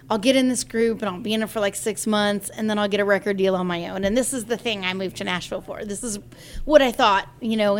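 A woman in her forties talks through a personal story in a relaxed interview, with a voice of ordinary pitch. She brings the tale to life by acting out the people she quotes. It sounds like a singer chatting with friends. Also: a little hiss or hum. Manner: lively storyteller who acts out quoted voices.

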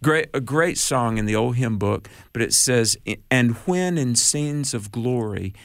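Animated man quoting scripture on radio. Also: mid-range voice, a little slow, creaky, no echo, clean studio sound. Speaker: radio show guest and apologist. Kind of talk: casual radio chat.

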